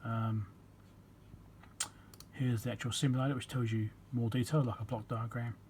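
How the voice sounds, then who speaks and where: Mellow-voiced man explaining electronics repair casually. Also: medium pitch, fairly even intonation, normal speed, a little hiss or hum. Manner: rambling, matter-of-fact, thinking aloud.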